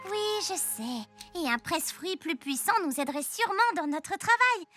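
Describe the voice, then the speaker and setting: A woman's voice: very high-pitched, very animated, normal speed, sharp tone, full character voice. A woman voicing a sensible, encouraging girl with a dreamy spiritual side in a French cartoon dub. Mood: earnest, kind. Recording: music behind the voice.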